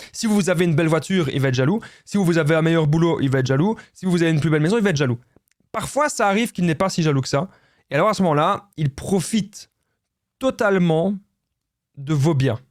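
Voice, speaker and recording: A man with a Belgian French accent talks straight to camera, giving his viewers relationship advice and repeatedly calling them his friends. His voice is on the high side and a little mellow, insistent and repetitive, in a dry, studio-quality recording.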